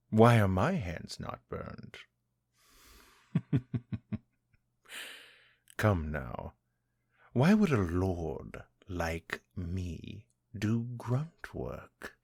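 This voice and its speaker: An actor playing a cruel, centuries-old vampire lord who taunts his captive, speaking in a husky, condescending way. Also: deep voice, very animated, darkish tone, no room sound, clean studio sound, heavily acted. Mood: taunting. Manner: taunting, condescending, slow and deliberate. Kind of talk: audio drama, one-sided dialogue.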